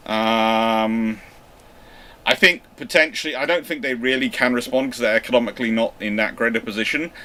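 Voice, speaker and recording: Host, male, mid-pitched, live Q&A, hesitant and filler-heavy. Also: pushed and bright. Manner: hesitant, many fillers and restarts. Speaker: naval history channel host. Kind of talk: live Q&A, reading and answering viewer questions.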